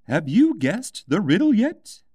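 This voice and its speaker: A man's voice: high voice, sing-song, measured pace, darkish tone, slightly rough, no room sound, studio quality, voice pushed up, heavily acted. A man voicing a mad, contrary storybook hatter who speaks in an emphatic, pedantic way. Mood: puzzling, brisk. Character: mad, contrary male tea-party hatter, riddling.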